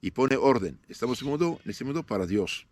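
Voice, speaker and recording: A man in his fifties, born in northern Syria with Aramaic as his first language, answering interview questions as a priest in a measured way, often pausing with fillers. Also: mid-range voice, expressive, a little mellow. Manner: measured, halting with frequent "eh" fillers and restarts.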